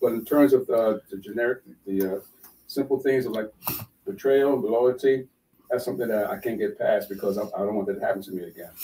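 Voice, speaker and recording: This is a man with a medium pitch and a normal speaking voice. He talks at a fairly quick pace with ordinary pitch variation. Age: 60s. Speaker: guest. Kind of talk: radio talk show discussion.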